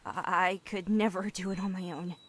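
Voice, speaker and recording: A woman's voice: lowish voice, steady tone, moderate pace, slight background noise, close to an everyday voice. An actress playing a hesitant, self-doubting young woman who sings and plays violin in a video game. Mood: doubtful. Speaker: game character.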